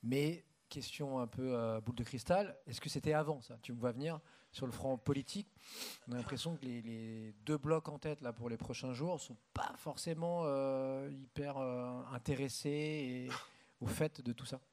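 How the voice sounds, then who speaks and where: A man's voice: mid-range voice, normal speed, a little mellow. A man moderating a live stage interview at a conference, informal and hesitant, with many fillers.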